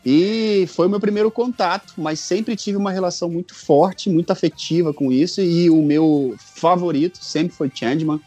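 A Brazilian man in his forties chatting casually as a guest, telling personal stories in an animated, jokey, colloquial way. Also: high-pitched, moderate pace, hardly any pauses, soft background music. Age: 40s. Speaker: podcast guest.

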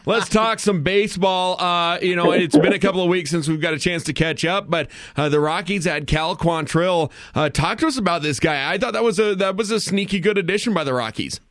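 A man's voice: high voice, fairly bright tone, no echo. Upbeat male radio host, dry studio sound. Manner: upbeat, brisk, leads the conversation. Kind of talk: morning radio talk.

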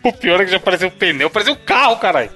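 A Brazilian man with a bright, forceful voice talks fast and swings his pitch around. He hosts a casual podcast in slangy, sweary speech. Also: animated, soft background music. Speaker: podcast host.

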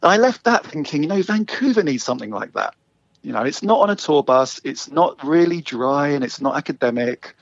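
Recounting in a relaxed interview how he launched a walking tour company, this middle-aged man from England speaks with a London accent. His voice runs on the high side, gravelly and expressive, and he talks fairly quickly; the lo-fi audio has no echo and sounds a touch dull.

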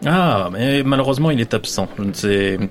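A man's voice: medium pitch, lively intonation, normal speed, a little hiss or hum, close to an everyday voice. A man voicing a fussy, gossipy male sports club committee man in a tabletop role-play, full of hesitations. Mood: chatty.

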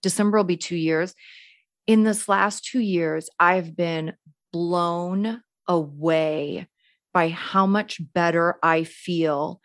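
A woman's voice: lowish voice, takes it slowly, no room sound. A woman hosting a podcast talks casually and chattily. She fills her sentences with "like". The sound is dry and close to the mic. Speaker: podcast host. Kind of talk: podcast conversation.

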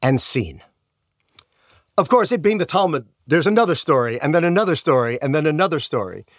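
Guy rabbi hosting a podcast, spins a story, voice jumps all over, slightly high, dry close sound. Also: expressive, a little fast, no echo. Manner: acts out the characters' lines in a playful, casual voice. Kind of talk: animated storytelling in a podcast conversation.

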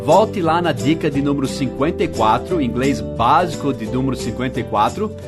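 A man's voice: mid-range voice, lively intonation, over loud music. Patient man teaching English in Portuguese. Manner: explains slowly, spells words letter by letter. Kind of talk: podcast lesson.

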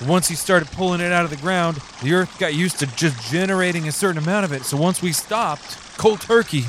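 A man's voice: sits high, brisk, background noise, natural voice. A man playing an exasperated doomsaying survivor. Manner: exasperated, incredulous. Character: panicked doomsaying male survivor.

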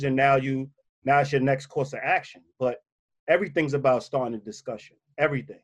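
A man with a slightly bassy voice talks through relationship advice in a loose, conversational way. He leans on his points and comes back to them again and again. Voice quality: a little bassy voice. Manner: emphatic, repeats key points. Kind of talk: casual advice talk.

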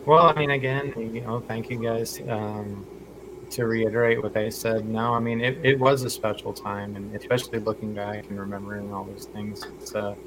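A man's voice: fairly low pitch, steady tone, normal speed. A man speaking as a podcast guest, earnest and rambling, on a noisy recording. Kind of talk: casual chat.

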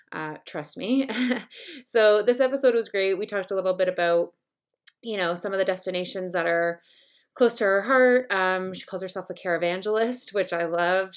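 Chatty upbeat podcast host woman. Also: lowish voice. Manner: chatty, upbeat, many ums and soft laughs. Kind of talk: podcast intro and interview.

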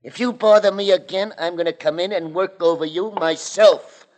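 An actor playing an irritable, bullying thug in an old-time radio crime drama, gruff and impatient. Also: male voice, sits high, normal speed, a little mellow, close to an everyday voice. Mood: irritated.

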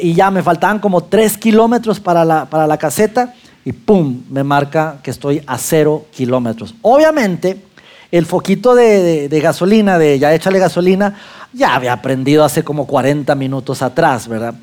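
A man with a Mexican accent telling a lively personal anecdote to an audience, acting out his own lines as he goes. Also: on the high side, normal speed.

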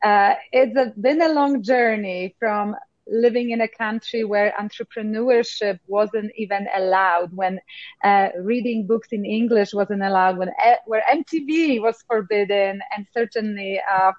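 A woman from Poland with a Polish accent, a coach talking as a podcast guest in a reflective way with many pauses. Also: medium pitch, no room sound, lo-fi sound. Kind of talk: conversational interview.

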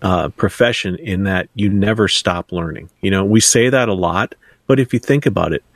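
A man's voice: sits low, normal speed, no room sound, clean studio sound. A middle-aged man co-hosting an aviation talk show, matter-of-fact with a wry streak. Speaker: podcast co-host. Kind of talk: casual chat.

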